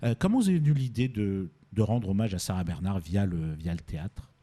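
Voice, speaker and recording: A man's voice: low-pitched, expressive, brisk, mellow. A man hosting a radio show in a casual, teasing way, often rambling and correcting himself. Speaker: radio host. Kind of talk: casual, jokey radio presenting.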